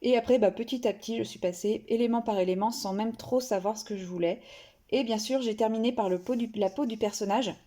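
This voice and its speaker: Woman, hobby vlogger, casual show-and-tell, hesitant, lots of fillers, mellow tone. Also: on the high side, a little fast. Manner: hesitant, many fillers and restarts.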